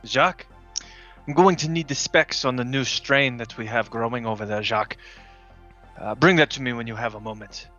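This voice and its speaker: A man playing a tabletop roleplaying game, speaking in a dry, deliberate way as he roleplays and chats. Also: mid-range voice, pushed and bright, muffled recording, faint music behind. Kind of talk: in-character roleplay and table chat.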